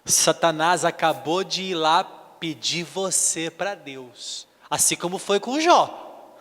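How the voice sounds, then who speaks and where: Preaching a sermon in a large hall, a bishop speaks slowly in a slightly high male voice. He tells stories animatedly, acting out the dialogue himself.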